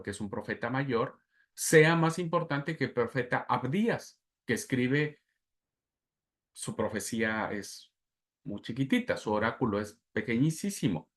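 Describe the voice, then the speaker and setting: A man gives a lecture on scripture at an ordinary pitch for a man. He explains patiently and repeats key terms. He keeps turning to the class with quick checks for agreement. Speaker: Bible teacher.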